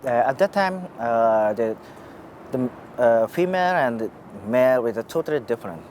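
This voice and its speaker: A man's voice: mid-range voice, animated, normal speed, darkish tone, a little hiss or hum. A middle-aged man answering an interview hesitantly, with many fillers.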